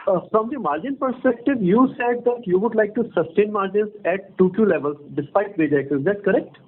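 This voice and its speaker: A man calling in to an earnings call with halting questions, his voice coming through choppy, glitchy phone audio that keeps breaking up. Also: high-pitched. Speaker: analyst caller on an earnings call. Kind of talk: asking a question on a conference call. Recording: tinny breaking-up phone line with faint hiss.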